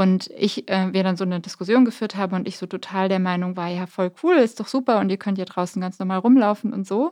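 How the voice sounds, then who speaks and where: A woman's dark, mellow voice at medium pitch, very fast with hardly any pauses, ordinary pitch variation, quiet background. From Baden-Württemberg. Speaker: podcast co-host. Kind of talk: casual chat. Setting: studio.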